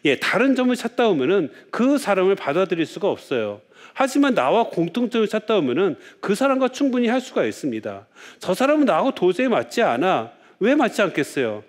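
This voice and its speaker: Priest guy giving a talk, bouncy animated pitch, keeps saying yes and asking the crowd stuff. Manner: lively storytelling, frequent "yes" fillers, rhetorical questions. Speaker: Catholic priest giving a lecture. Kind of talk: lecture.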